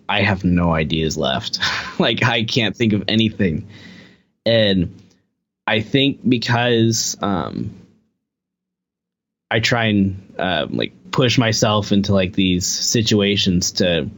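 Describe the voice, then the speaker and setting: A young man talking as a guest musician on a podcast, rambling casually with a lot of "like" in his sentences. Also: on the low side. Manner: rambling, heavy use of filler "like".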